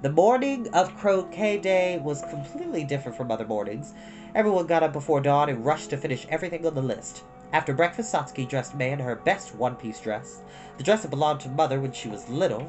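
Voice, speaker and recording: An expressive, informal storyteller reading a children's book aloud, with casual asides. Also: mid-range voice. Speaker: storyteller and host.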